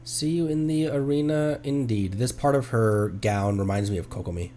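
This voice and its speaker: A man's voice: mid-range voice, normal speed, mellow, slight background noise. A man livestreaming a game, playful and theatrical, reacting and reading dialogue aloud. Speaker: streamer. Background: faint game music.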